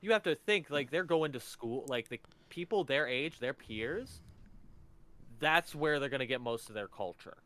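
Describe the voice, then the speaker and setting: A man's voice: medium pitch, expressive, moderate pace, pushed and bright. A young man in a casual, joking, profane podcast chat, reading quiz statements aloud and riffing on them. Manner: laid-back, profane, joking. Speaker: podcast co-host.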